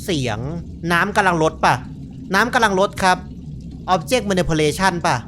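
A young man talks through a horror game in loose, casual commentary. He is excitable, swears freely and yelps when startled, and his voice swings widely in pitch. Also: unhurried, a little hiss or hum. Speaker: gaming YouTuber. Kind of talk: casual let's-play commentary.

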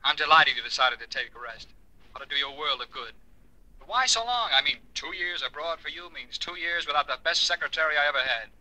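Very bright-voiced friendly businessman. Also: on the high side, animated, fast, poor audio. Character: friendly businessman, warmly welcoming. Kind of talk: 1940s radio acting.

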